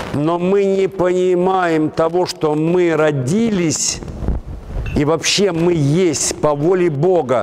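A man speaks at a very slow pace in a high voice with ordinary pitch variation. Light background noise is audible. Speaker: bishop. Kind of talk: sermon. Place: church.

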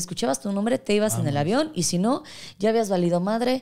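A woman with a Mexican accent talks at a fairly quick pace and fairly high pitch, her voice making very wide pitch swings. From Mexico. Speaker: comedian. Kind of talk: casual chat. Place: studio. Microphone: handheld.

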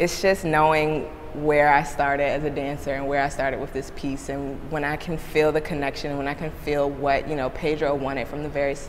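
Over light background noise, a woman with a very deep, low pitch speaks at a fairly quick pace. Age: 20s. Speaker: college dance student. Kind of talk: interview testimony. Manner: animated. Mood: warm, enthusiastic, reflective. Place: classroom.

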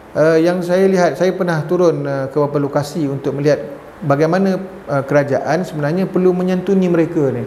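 A man's fairly high-pitched voice at a fairly quick pace, with fairly even intonation, light background noise and audible room echo. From Johor, Malaysia (Kluang); Johor, Malaysia. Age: young. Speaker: election candidate. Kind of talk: news interview. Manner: hesitant, many fillers. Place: home room. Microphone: lapel.

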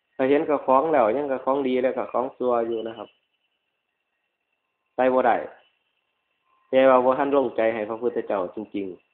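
With an Isan accent, a man speaks in fairly even intonation. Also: medium pitch for a man. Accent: Isan (northeastern Thai). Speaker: Buddhist monk. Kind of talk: dharma talk.

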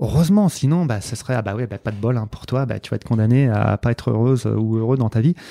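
The sound is dry and close, with no echo. A man with a medium pitch and a dark, mellow tone speaks with lively intonation. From western France, Nantes. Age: 40s. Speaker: mental performance coach. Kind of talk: interview. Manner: hesitant, many fillers.

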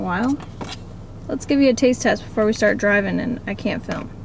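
A woman speaks over light background noise, and the sound is dry with no echo. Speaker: vlogger. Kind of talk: casual vlog chat. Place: car. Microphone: phone near.

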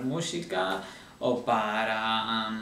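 Audible room echo along with light background noise. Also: man. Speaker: vlogger. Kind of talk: personal account to camera. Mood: serious, reflective. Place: home room. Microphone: camera far.

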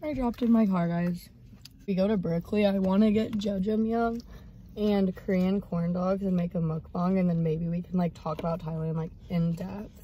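Somewhat breathy and dark, mellow in tone, a woman talks with ordinary pitch variation in a dry, echo-free sound over light background noise. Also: moderate pace. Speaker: vlogger. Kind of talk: casual mukbang chat. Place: car. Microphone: phone near.

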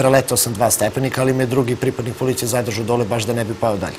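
A man speaks over light background noise. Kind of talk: interview answer. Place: studio. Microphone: lapel.

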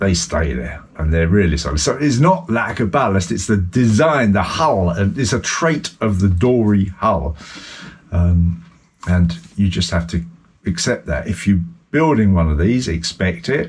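A man speaks at a fairly slow pace. His fairly low voice is somewhat breathy. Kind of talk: casual vlog chat. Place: boat. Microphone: phone near.

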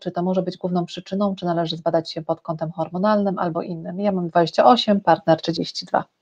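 A woman talks at a fairly quick pace in a medium pitch, somewhat breathy, with a dry, close sound and no echo. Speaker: live Q&A moderator. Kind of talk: reading viewer questions. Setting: live stream. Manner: warm, friendly.

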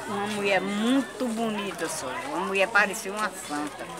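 Noticeable background noise sits under the recording. A woman talks at a fairly slow pace. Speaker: former gravedigger. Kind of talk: interview answer. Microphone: phone near.

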